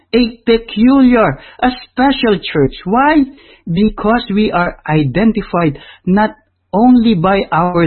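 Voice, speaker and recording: Filipino man preaching, high and lively. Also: breathy edge. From Philippines. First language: Tagalog. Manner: emphatic, swings from loud high stresses to low drops. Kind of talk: sermon. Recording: tinny phone-like audio.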